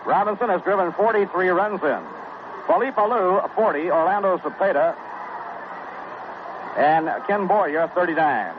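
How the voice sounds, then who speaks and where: A man doing radio play-by-play for a baseball game, brisk and even-toned, heard as an old AM radio broadcast. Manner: brisk, even-toned, reads stats between pitches. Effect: AM radio broadcast sound. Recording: tinny noisy 1960s AM radio broadcast.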